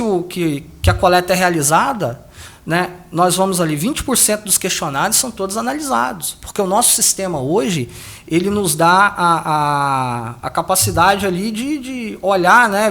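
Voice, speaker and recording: High-voiced man explaining polling. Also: animated, normal speed, fairly bright tone. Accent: Brazilian Portuguese. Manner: explains at length, with many restarts and tag questions. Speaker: political analyst and pollster. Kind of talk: explanatory interview answers.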